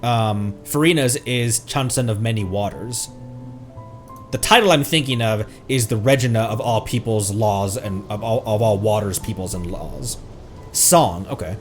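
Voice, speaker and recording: A man's voice: on the low side, a little slow. A man giving casual livestream commentary on a game, musing aloud and rambling as he plays. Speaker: VTuber game streamer. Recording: music playing behind the voice. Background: game music.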